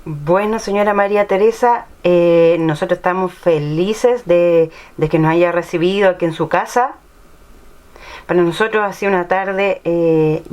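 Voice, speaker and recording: A woman's voice: fairly low pitch, darkish tone. A woman interviewer speaking politely and formally to her guest in the guest's home. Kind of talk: casual interview.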